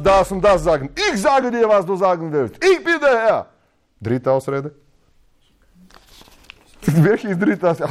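Animated man teaching the Bible. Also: high-pitched. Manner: animated, playfully acts out dialogues with frequent laughs; slightly broken German grammar. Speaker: Bible teacher in a church congregation. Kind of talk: lively Bible teaching to a group.

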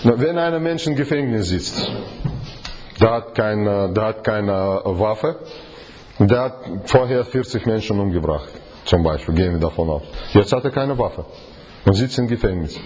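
Leading a Bible study, this man preaches informally in a lowish, somewhat dark voice with lively intonation, over a slight hiss or hum. He often stops and starts again, leans on fillers, and throws out rhetorical questions.

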